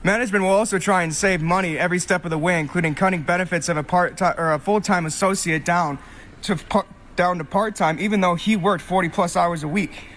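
A man's voice: high voice, fairly even intonation, fairly quick, a bit bright, a little hiss or hum. A young man reading an angry, stumbling resignation announcement over a store intercom. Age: young adult. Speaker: store employee quitting.

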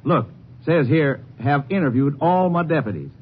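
A man's voice: a little high, expressive, moderate pace, natural voice. An American actor playing an indignant, folksy, plain-spoken man with a grievance, in 1950s radio drama style. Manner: folksy, riled-up, ungrammatical. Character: indignant plain-spoken man complaining about crooked cops. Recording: dull, noisy 1950s radio recording.

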